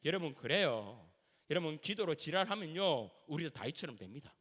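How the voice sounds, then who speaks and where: Animated Gyeongsang-accented male pastor preaching. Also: fairly high pitch, brisk, slightly rough. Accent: Gyeongsang Korean. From Gyeongsang region, South Korea. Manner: animated, colloquial preaching that acts out everyday scenes. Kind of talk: sermon. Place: church sanctuary. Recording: reverberant church sanctuary.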